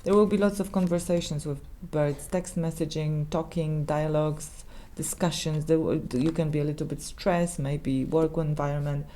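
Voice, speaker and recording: A woman with a Polish accent, a native Polish speaker, giving a casual tarot reading in halting English with many restarts. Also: low-pitched, fairly even intonation, mellow, slight background noise. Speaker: tarot reader.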